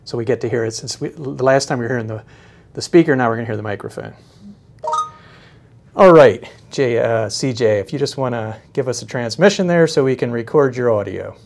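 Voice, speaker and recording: A man giving a casual, unscripted product demonstration in a hesitant, halting way, often searching for words. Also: medium pitch, gravelly, a little mellow. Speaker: product reviewer.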